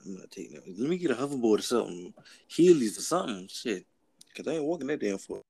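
A laid-back young man swaps stories with a friend in easy slang, trailing off into mumbled asides. His pitch sits in an ordinary middle range. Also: sing-song, fast talker, vocal fry, mellow, slightly rough. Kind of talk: casual chat between friends.

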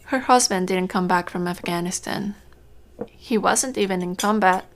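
A woman playing a caring middle-aged farm matriarch in an audio drama, with a creaky voice. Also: on the low side, normal speed, slight background noise, lightly acted. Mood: gentle, sad. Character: caring farm matriarch, mother of a grown daughter. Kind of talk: naturalistic audio drama acting.

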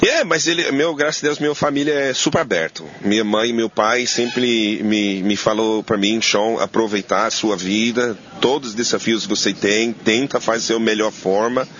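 Halting New chef speaking Portuguese. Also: male voice, fairly low pitch, a bit bright, highs cut off. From New Zealand. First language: English. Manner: halting, searching for words in Portuguese. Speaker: chef guest. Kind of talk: casual interview.

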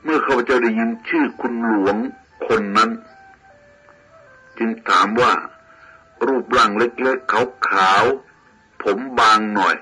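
A man reading a moral tale in first person, in a measured, moralizing storytelling manner. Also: medium pitch, bright, forceful tone, faint music behind, low-quality recording. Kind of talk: scripted storybook narration.

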